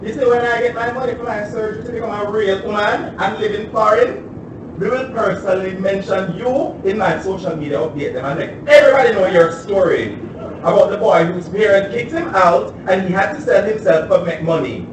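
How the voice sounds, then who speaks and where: A scornful, proud young trans woman with a Jamaican accent, played by a male actor, high-pitched and biting in every jab. The voice sits far from the mic in a very echoey space, with clear noise behind it, like a recorded stage performance. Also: fairly quick, natural voice. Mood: mocking. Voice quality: biting, mocking delivery. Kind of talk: stage play excerpt.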